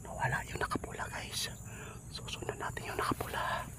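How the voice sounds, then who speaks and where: A man giving whispered gameplay commentary, hushed most of the time and breaking into loud, excited shouts. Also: brisk. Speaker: gamer.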